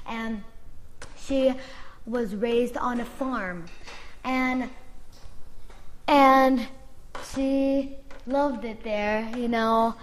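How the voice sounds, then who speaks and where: High-voiced chatty Florida woman. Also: extremely slow, long pauses, slight background noise, rough recording. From Florida, United States. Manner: chatty, switches between English and Spanish, many "like"s. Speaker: co-host of a family chat. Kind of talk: casual chat.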